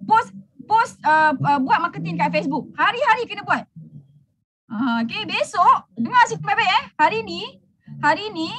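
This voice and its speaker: Middle-aged Malaysian woman, business mentor, very high pitch, brash and teasing, preachy. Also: a bit bright. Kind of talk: motivational talk to a group.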